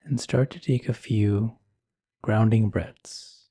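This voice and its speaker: A man leading a guided meditation in a soothing, measured and gentle manner. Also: on the low side, fairly even intonation, slightly rough, dry recording.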